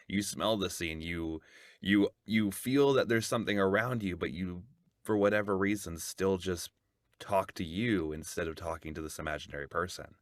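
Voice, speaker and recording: A man's voice: sits low, a bit bright, no echo, clean studio sound. A man hosting a podcast, chatting eagerly and thoughtfully in an interview. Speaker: podcast host. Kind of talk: casual interview chat.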